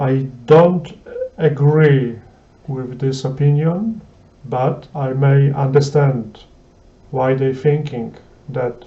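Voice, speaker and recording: In a room with audible echo, a man with a fairly high pitch speaks at a very slow pace with fairly even intonation. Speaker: app developer and stutterer. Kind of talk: video monologue. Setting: at home alone.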